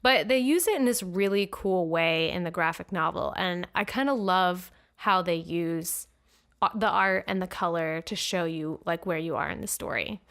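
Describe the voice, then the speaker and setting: A woman's voice: on the low side, normal speed, a bit bright. A woman co-hosting a book-and-film podcast, chatting casually and laughing often, recorded in a living room. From United States. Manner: easygoing, laughs often, says "like" a lot. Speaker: podcast co-host. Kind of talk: casual chat. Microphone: new podcast microphone.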